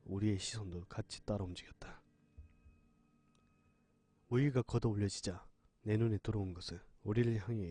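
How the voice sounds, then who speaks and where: A man's voice: fairly low pitch, warm tone. A man reading a first-person horror story aloud for a radio show, with a dramatic, tense delivery. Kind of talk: scripted horror narration.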